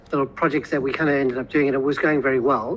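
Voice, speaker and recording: A man with a slight English accent speaks in a fairly high voice. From England, moved to South Africa in 1994. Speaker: learning and development manager. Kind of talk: webinar presentation.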